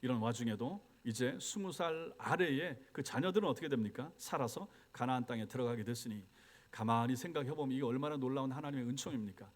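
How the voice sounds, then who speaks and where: A man's voice: medium pitch, fast. A male pastor preaching an expository sermon, walking the congregation through verses with frequent rhetorical questions. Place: church sanctuary.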